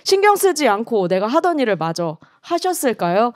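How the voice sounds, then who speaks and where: A woman evangelist preaching to a youth group in a lively storytelling style, asking questions and calling the teens by name. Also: on the high side, moderate pace, no room sound, clean studio sound. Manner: lively storytelling, acts out scripture quotes; asks the teens questions and calls them by name. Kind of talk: youth sermon over video call.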